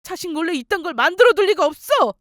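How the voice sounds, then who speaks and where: A woman's voice: fairly high pitch, expressive, moderate pace, no echo, clean studio sound, natural voice. A woman voicing an arrogant, cheating husband who runs a company, talking down with contempt in a story radio drama. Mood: frantic. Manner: sneering, boastful, contemptuous. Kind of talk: story radio role-play.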